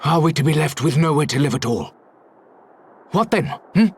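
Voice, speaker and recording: Worried townsman, husky voice. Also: fairly high pitch, animated, normal speed, heavily acted. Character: worried, complaining male resident of a flooded town. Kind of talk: video game voice acting.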